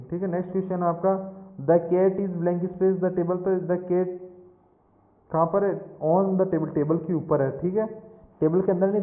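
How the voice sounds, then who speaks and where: A man, explaining exam answers as a coaching teacher, patient and repeating each answer. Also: a little high. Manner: patient, repeats answers, addresses listener directly. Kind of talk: explaining mock test answers. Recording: echoey, tinny phone-quality audio.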